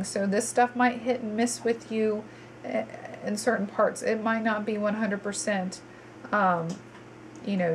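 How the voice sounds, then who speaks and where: A woman's voice: fairly high pitch, low-quality recording. Brief: woman tarot reader, congested and nasal, chatty with ums, faint noise behind. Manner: chatty, with frequent ums and restarts. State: stuffy, congested. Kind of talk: monthly tarot reading to viewers.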